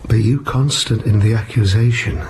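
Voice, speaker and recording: A man's voice: on the low side, moderate pace, darkish tone, a little hiss or hum, lightly acted. A man voicing a sly, whispering henchman. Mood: scheming. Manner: conspiratorial, dropping into whispers. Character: sly scheming male henchman, cunning and persuasive. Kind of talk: Shakespearean stage play reading.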